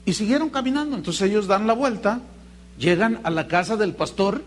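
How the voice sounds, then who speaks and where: A pastor preaching a sermon, telling anecdotes in a lively way and imitating the people in his stories. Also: high-pitched, normal speed, a little hiss or hum. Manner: animated storytelling, mimics voices in quotes.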